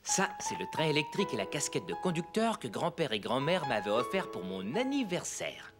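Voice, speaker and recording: A patient young dad in a children's cartoon. His friendly voice swings in pitch, with clear music underneath. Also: wildly swooping pitch, moderate pace. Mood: warm, playful. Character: friendly, patient young father of a small boy.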